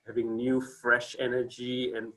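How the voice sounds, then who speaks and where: This is a man in his forties speaking over a video call, mid-pitched and easygoing. He presents in an upbeat, casual way, often restarting phrases and filling pauses with "um" and "uh". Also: monotone, fairly bright tone, low-quality recording. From Singapore. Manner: hesitant, many restarts and fillers, upbeat. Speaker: company country manager presenting on a video call.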